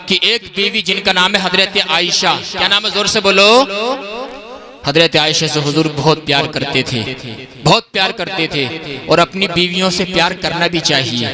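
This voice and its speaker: A man delivers a rousing, repetitive Islamic sermon, exhorting his listeners and calling on them to respond. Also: high voice. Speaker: Islamic preacher. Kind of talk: rousing religious sermon to a gathering. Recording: live gathering with crowd noise.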